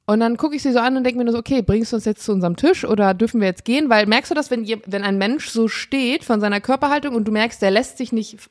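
A woman with a slightly high voice tells a story in a relaxed podcast chat. She brings each exchange to life by pitching her voice up for the quoted lines and laughs often as she goes. She is recording from a hotel room. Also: fast talker, hardly any pauses. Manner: lively, acts out dialogue in raised voices, laughs often. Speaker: podcast co-host.

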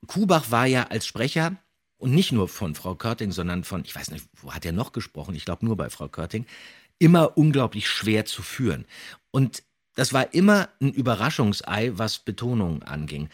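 A man's voice: lowish voice, big pitch swings, normal speed, husky. A man who hosts a podcast and voice acts, commenting casually and animatedly on audio dramas, with theatrically quoted lines. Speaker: podcast host and voice actor.

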